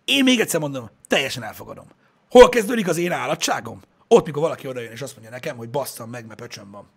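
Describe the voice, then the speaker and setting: Gravelly, ranting man, voice leaping high. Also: sing-song. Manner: blunt and profane, heated ranting. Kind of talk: casual chat.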